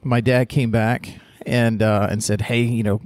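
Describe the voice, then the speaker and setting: A middle-aged man, raised in England, telling stories as a podcast guest in a relaxed, chatty way. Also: medium pitch, a little slow, dry recording, clean studio sound. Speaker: guest, real estate agent. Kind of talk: podcast interview.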